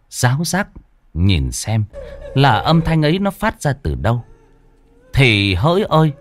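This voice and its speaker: A man narrating a ghost story in a dramatic, suspenseful way. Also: fairly low pitch.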